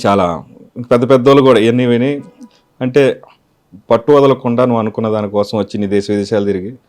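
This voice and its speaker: A man, a mimicry artist, giving calm, reflective interview answers. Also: mid-range voice, quick pace, faint music behind.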